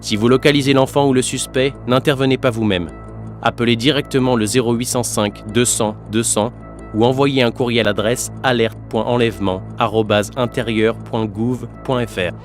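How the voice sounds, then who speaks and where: A man's voice: medium pitch, steady tone, moderate pace. A man reading scripted narration as a professional voice-over artist. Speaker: voice actor. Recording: music under the voice. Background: music.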